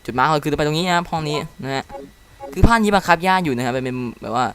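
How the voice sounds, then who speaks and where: A man giving casual commentary while playing a game. He reacts excitedly and reads the dialogue aloud. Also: on the high side, rapid-fire, clean tone. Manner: chatty, explains controls to viewers. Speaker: game let's-play commentator.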